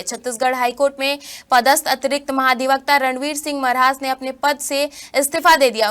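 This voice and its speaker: A woman news anchor reading a regional bulletin in a formal, steady manner. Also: high voice. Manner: formal, steady headline delivery.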